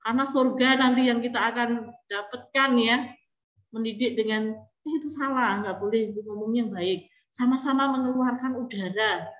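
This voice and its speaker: Lady teacher-trainer chatting thru a lecture on a video call, kinda high voice, echoey muffled sound. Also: fairly bright tone. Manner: chatty, addresses listeners often, acts out quoted students. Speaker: speaker at an online teacher training session. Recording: echoey online call audio, dull and lo-fi.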